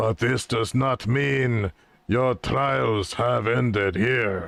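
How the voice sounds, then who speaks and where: A man speaks in a put-on character voice at a medium pitch. His pace is very slow. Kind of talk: solemn fantasy mentor. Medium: game stream. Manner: grave, formal, evasive.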